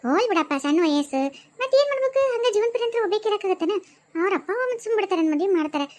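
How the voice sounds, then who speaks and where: A woman's voice: very high voice, lively intonation, fast, darkish tone. A woman voicing a scolding, motherly ghost companion in a cartoon, speaking North Karnataka Kannada and lecturing the new ghost. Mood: advising. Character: older ghost companion, calm, preachy, scolding. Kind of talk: cartoon voice acting.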